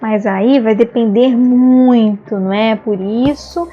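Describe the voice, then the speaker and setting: A woman's voice: fairly high pitch, slow, narrow, tinny audio. A Brazilian woman giving an online lesson on therapy, explaining patiently with frequent tag questions and acted-out examples. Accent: Brazilian Portuguese. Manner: explanatory, frequent "né?" tags, acts out praise and "no" examples. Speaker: ABA therapy instructor.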